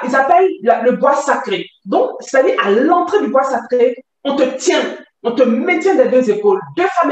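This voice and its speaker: A woman giving a vivid, animated personal testimony. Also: high voice. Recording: very echoey, distant from mic.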